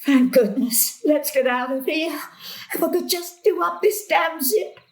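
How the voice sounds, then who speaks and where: A jittery elderly grandmother in a drama. Her voice is high and her speech is slow. She sounds fretful, slightly confused and easily spooked. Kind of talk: drama acting.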